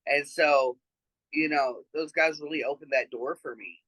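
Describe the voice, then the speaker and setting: Earnest, bright-voiced trans man. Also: on the high side, a little slow, no room sound, low-quality recording. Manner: earnest, reflective, with frequent fillers. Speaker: interview guest. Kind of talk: casual conversational interview.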